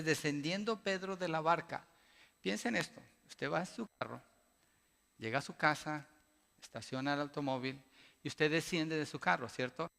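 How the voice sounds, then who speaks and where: A man preaching a sermon as pastor, asking his congregation rhetorical questions and building to loud, emphatic passages. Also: a little high, creaky. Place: church sanctuary. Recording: long church-hall reverb.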